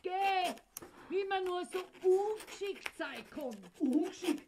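A woman's voice: very high-pitched, animated, slow, a little mellow, slight background noise, exaggerated voice. A woman acting a quarrelsome Bavarian farmer's wife in an audiobook, nagging and exclaiming with indignation. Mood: irritated.

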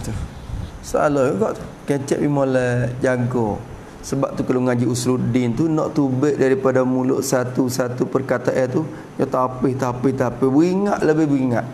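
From Patani in southern Thailand, a man with a Patani Malay accent teaches a traditional religious kitab lesson, explaining patiently and repeatedly asking his students rhetorical questions. His voice is medium-pitched and darkish, and the audio is poor, with slight background noise.

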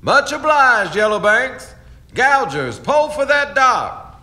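Man playing brash keelboat captain, high voice, very lively swoops, sly folksy swagger, radio play. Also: slow pace, heavily acted. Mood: hailing loudly. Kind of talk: period radio drama acting. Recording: faint background noise and ambience.

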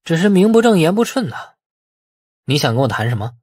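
A man's voice: on the high side, sing-song, fairly quick, darkish tone, breathy edge, no room sound, studio quality, voice pushed up. A man voicing a sullen, resentful young heir in an audiobook, taunting and sarcastic with a drawl. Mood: sneering, taunting.

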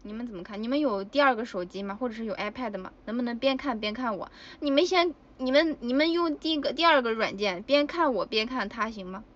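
A woman's voice: fairly high pitch, expressive, a little fast, hardly any pauses, highs cut off. A woman chatting casually with fans on a livestream, giggly and exclamatory. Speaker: idol livestreamer. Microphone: phone.

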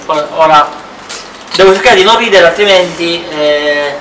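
A man's voice: on the high side, moderate pace. A young man in casual, playful banter, stammering and repeating his words. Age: young adult. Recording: echoey, distant mic, noisy background.

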